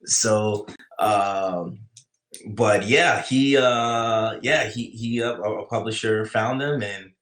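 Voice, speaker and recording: A man's voice: lowish voice, takes it slowly, a bit bright. A man with a New York accent, chatting casually on his live writing stream, rambling with many restarts as he answers chat. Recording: echoey room.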